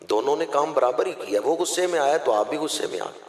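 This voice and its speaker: Impassioned Pakistani preacher in an echoey hall. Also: male voice, fairly high pitch, lively intonation, fast. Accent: Pakistani Urdu. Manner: impassioned preaching that swings from shouted declamation to quiet storytelling. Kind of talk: sermon. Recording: echoey hall with long reverb.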